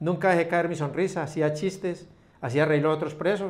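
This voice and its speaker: The man's voice sits high in pitch, with ordinary pitch variation. He goes at a moderate pace. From Colombia. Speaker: former cartel hitman. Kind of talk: interview answer. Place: studio. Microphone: lapel.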